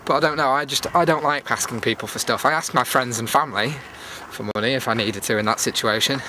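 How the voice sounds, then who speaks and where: A man's voice: medium pitch, fast talker, sharp tone. A British man casually rambling through a chatty, meandering walk-and-talk vlog as its host. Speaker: YouTube vlogger and host. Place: outdoors on a cold evening walk. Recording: clear outdoor background noise.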